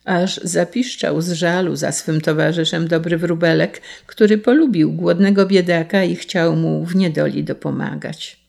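A woman narrating a fairy tale in a slow, measured storybook reading. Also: lowish voice, fairly even intonation, vocal fry, a little mellow.

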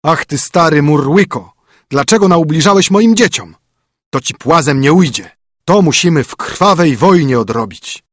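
A man's voice: fairly high pitch, very animated, moderate pace, husky, dry recording, clean studio sound, voice pushed up, exaggerated voice. A man voicing a proud, commanding old king wren in a storybook reading. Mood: angry. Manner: commanding, vengeful.

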